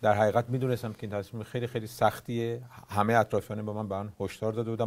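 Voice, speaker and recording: Against a quiet background, a man speaks at a very fast pace with fairly even intonation. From Iran, Semnan; Iran. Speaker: sociologist; interview guest. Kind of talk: interview. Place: studio. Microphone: lapel.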